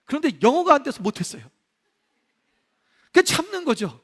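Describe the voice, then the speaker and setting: A male pastor preaching a sermon in a church, animated, acting out the voices he quotes. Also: very high-pitched, brisk. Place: church sanctuary. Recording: long reverb of a church hall.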